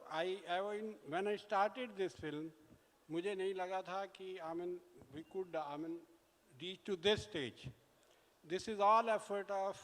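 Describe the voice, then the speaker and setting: A man, a film producer, giving a hesitant stage speech, searching for words. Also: high voice. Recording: reverberant hall.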